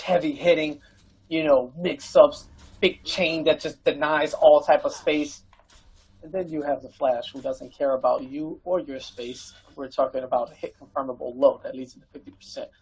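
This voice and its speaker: A man's voice: fairly high pitch, breathy edge, low-quality recording. A man casting a fighting game tournament, loose and joking with sudden bursts of hype. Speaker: esports commentator.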